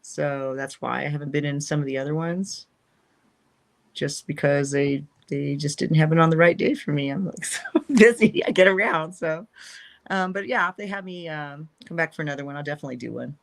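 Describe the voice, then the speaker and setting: A woman's voice: low-pitched, brisk, vocal fry. A woman guest chatting casually in an interview, rambling and trailing off, laughing often.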